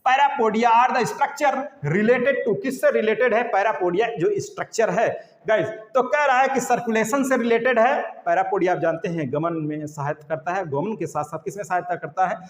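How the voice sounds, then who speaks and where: Male teacher, high pitch, repetitive drilling delivery, echoey hall sound. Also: a little fast. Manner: repetitive, drilling questions, says "guys" often. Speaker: biology teacher. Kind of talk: exam-prep lecture. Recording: echoey room with long reverb.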